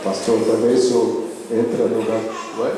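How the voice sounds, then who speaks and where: A man's voice: fairly low pitch, level tone. A man preaching a sermon as pastor, with a Brazilian Portuguese accent, emphatic and repetitive, calling out hallelujah between points. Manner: slow, emphatic preaching with repeated refrains and calls of hallelujah. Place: church sanctuary. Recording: echoey church hall, long reverb.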